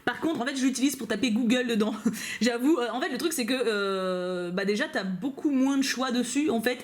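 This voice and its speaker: A woman with a slightly high voice speaks at a normal speed while reacting to fan mail for her YouTube channel. She sits on a couch at home near her dog, chatting casually and bubbly to the camera with plenty of fillers and asides.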